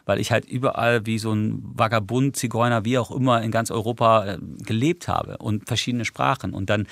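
A man's voice: lowish voice, fairly even intonation, brisk, gravelly, no echo. A man whose first language is English, a musician guest in a radio studio interview, talking reflectively and rambling with many tag questions.

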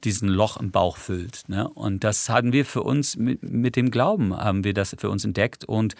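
A man's voice: on the low side, moderate pace, gravelly, darkish tone, dry recording. A man whose first language is English, a musician guest in a radio studio interview, talking reflectively and rambling with many tag questions.

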